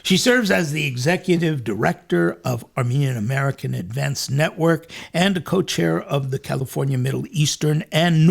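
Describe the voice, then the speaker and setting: A man's voice: fairly high pitch, gravelly. A man hosting an interview as a priest, speaking earnestly and reflectively from a studio, often restarting his sentences. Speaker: priest and show host. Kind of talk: conversational interview. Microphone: studio mic.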